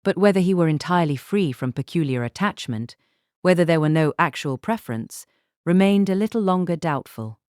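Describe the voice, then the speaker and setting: A woman reading literary narration in a measured, formal way as an audiobook narrator. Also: on the low side, lively intonation, a little mellow, no echo, clean studio sound.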